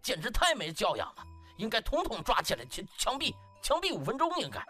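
A man performs a brash young doctor in a comic audiobook. He is smug and falsely friendly, his pitch leaping about as he gloats, with faint music behind. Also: huge pitch swings, brisk. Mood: mock concern. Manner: gloating, chuckling, exaggerated exclamations. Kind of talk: comic audiobook character acting.

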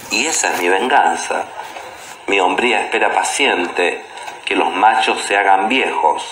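A Chilean man acting a defiant, proud ageing gay poet, declaiming deliberately in a radio play monologue. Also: low voice, fairly bright tone, a little hiss or hum. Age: older. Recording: roomy echo with music behind.

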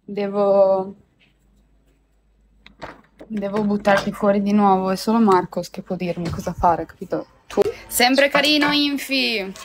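A woman's voice: medium pitch, unhurried, long pauses, noisy background. A young woman, chatting casually with viewers on a phone livestream from home, swearing and laughing often. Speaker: livestream host. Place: at home indoors.

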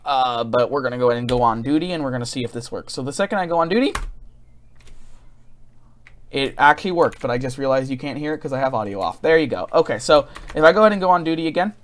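A man giving a casual software tutorial as host, recorded as a voice-over at his computer. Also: mid-range voice, expressive, fast talker.

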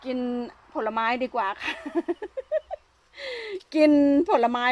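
A woman's voice: high-pitched, sing-song, drawn-out words, dry recording. A middle-aged woman from Thailand vlogging to her viewers in a casual, thinking-aloud way, with many fillers, seemingly outdoors among fruit trees.

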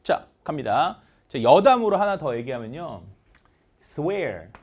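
A man teaching English vocabulary in an online lecture, animated and leading chanted word drills. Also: fairly high pitch, brisk.

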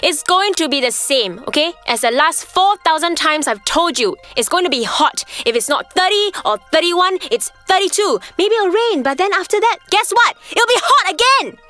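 A woman's voice: very high-pitched, expressive, moderate pace, hardly any pauses, bright, forceful tone, soft background music, pitched above the performer's own voice, full character voice. A woman playing an exasperated, ranting weather presenter in a radio ad.

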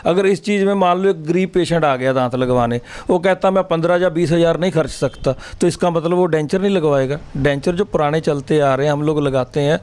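A man's voice: on the high side, fairly quick, few pauses, a little mellow, clear, resonant tone. A middle-aged man from Punjab, a dentist giving earnest, plain-spoken advice in an interview. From Punjab, India. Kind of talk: interview answers.

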